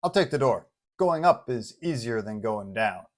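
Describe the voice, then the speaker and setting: A man's voice: mid-range voice, animated, moderate pace, lightly acted. A man voicing a confident, well-meaning superhero who talks in a breezy, colloquial way in an audio story. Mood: confident, wry.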